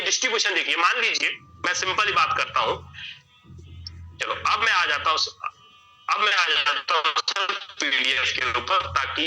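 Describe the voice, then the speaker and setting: High bright-voiced man explaining repetitively. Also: poor audio. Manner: repetitive, addresses listener as sir. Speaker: presenter explaining an earning plan. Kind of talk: whiteboard explainer talk.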